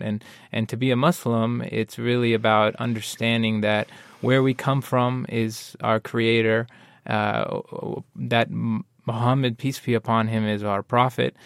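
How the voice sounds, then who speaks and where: A man from Wyoming speaking as a guest in a panel discussion, explaining his views in an earnest, measured way. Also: on the low side, gravelly, fairly bright tone, clear, resonant tone, no room sound, clean studio sound. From Wyoming, USA.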